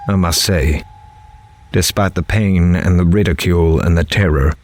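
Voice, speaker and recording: Man playing a grave, low-voiced reporter. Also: steady tone, normal speed, darkish tone, no room sound, close to an everyday voice. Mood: alarmed. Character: uneasy male reporter recounting a prison interview. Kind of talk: dramatic first-person narration in audio drama. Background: music.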